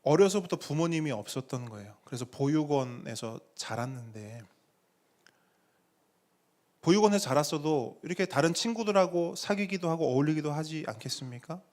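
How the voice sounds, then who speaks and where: Male pastor, middle-aged, lively sermon delivery, slightly raised pitch, dramatic pauses. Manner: animated preaching with dramatic pauses and acted quotes.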